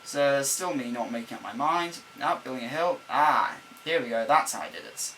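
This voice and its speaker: A young man rambles and corrects himself mid-sentence as he talks through a game build, his mid-pitched voice caught on an old camcorder's built-in mic. A faint laptop fan hums underneath the whole time. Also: expressive, moderate pace, pushed and bright, low-quality recording. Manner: rambling, self-correcting, chatty. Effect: recorded on an old camcorder microphone. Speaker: let's-play builder. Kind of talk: off-the-cuff game commentary voice-over. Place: at a desk at home. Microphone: camera microphone, not a desk mic. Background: faint laptop fan hum.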